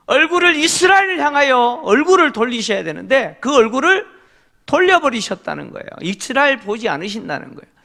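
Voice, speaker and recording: Here the middle-aged preacher's voice is very high, bright and pushed. During his Korean sermon he leads a group scripture reading, speaks with emphasis, and keeps the congregation engaged through rhetorical questions and quick interjections of affirmation.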